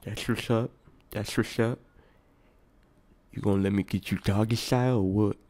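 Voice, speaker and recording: A man putting on a smooth-talking young man who speaks with a wet, spitty lisp. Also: on the low side, fairly even intonation, moderate pace, darkish tone. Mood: smug.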